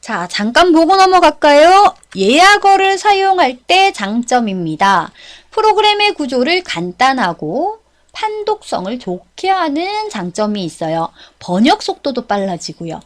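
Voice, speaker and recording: High-pitched, animated woman lecturer. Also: measured pace, hardly any pauses. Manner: instructive, checks in with listeners using short questions. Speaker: instructor of a certification exam course. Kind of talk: explanatory lecture, step by step.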